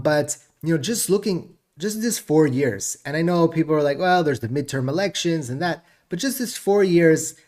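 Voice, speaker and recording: A man hosting a casual crypto market video, chatty and rambling with jokes, sounding stuffed up. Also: on the high side. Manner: chatty, rambling, jokey with frequent laughs.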